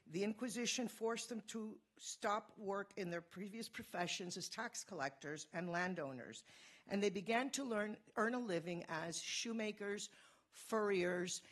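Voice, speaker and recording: A woman from Cuba giving a fast, earnest conference talk, telling a personal story. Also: on the low side, husky. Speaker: conference speaker.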